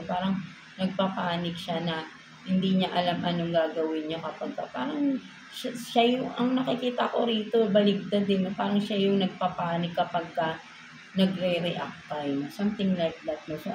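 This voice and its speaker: A woman with a Filipino accent gives a relaxed tarot reading, mixing two languages and checking in with "no?" after nearly every thought. Her voice sits a little low. The recording carries a noticeable room echo with steady background noise. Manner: code-switching, frequent tag "no?". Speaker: tarot reader.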